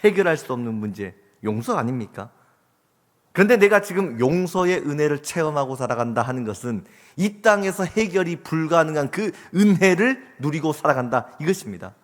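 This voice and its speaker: A male pastor preaching a sermon, dramatic and swinging from hushed to loud. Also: a little high, sing-song, a little fast. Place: church sanctuary. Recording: long church hall reverb.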